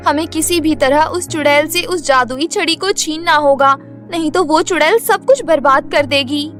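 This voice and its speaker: A woman's voice: sits high, moderate pace, fairly bright tone, soft background music. A woman playing an anxious, polite female fairy in a cartoon story. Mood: urgent.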